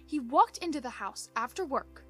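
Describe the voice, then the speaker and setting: A woman's voice: sits high, animated, moderate pace, fairly bright tone, breathy edge, faint music behind, heavily acted. A woman playing a hurt, exasperated young mare pony wife, confiding dramatically in a fan fiction monologue. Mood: hurt, indignant.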